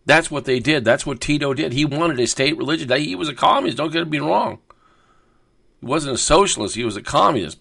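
A man's voice: medium pitch, gravelly, a bit bright. A man hosting a talk radio show, delivering an emphatic, insistent monologue. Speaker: radio host.

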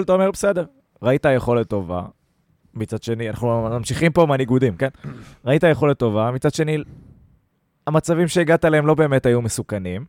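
A man's voice: medium pitch, darkish tone, dry recording, studio quality. A man hosting a casual football fan podcast, talking conversationally and weighing things up as he goes. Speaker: podcast host.

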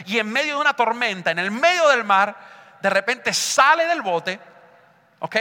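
A man's voice: sits high, sharp tone. A man preaching an impassioned sermon, shifting between Spanish and English and leading the congregation in call-and-response. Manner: impassioned, calls the congregation to repeat after him. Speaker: pastor. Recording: long hall reverb.

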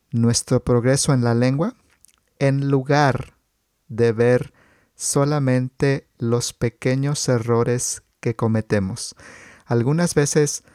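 A man hosting a conversational interview as a language teacher, encouraging and deliberate in his phrasing. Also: medium pitch, dark tone, no echo, studio quality.

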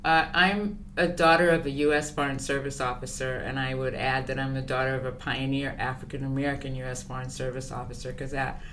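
Very low-voiced woman, measured talk. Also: little pitch movement, a bit bright, a little hiss or hum. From born in Liberia, raised abroad. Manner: thoughtful, measured, with fillers and pauses. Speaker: guest, consultant. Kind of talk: interview answers.

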